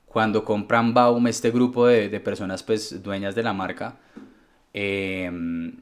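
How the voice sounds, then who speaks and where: A man with a Colombian accent, a DJ guest telling stories in a casual, relaxed interview with many fillers. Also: fairly low pitch, takes it slowly. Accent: Colombian Spanish. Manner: relaxed storytelling with frequent fillers.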